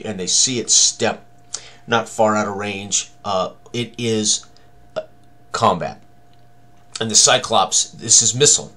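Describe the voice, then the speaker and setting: A man in his sixties walking through tabletop game combat rules as a tutorial, halting and thinking aloud as he works. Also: fairly low pitch, bright, forceful tone.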